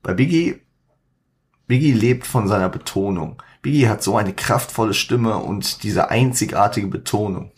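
A man's voice: lowish voice, moderate pace. A man hosting a podcast, talking in casual commentary with many fillers and self-corrections and English slang mixed in. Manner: mixes English slang into speech. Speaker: podcast host.

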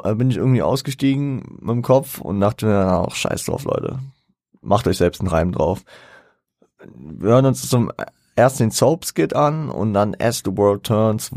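A young podcast host chats casually in German about a rap album, rambling, correcting himself as he goes and laughing often. His voice is on the low side and a little mellow. The recording has clean studio sound with no echo.

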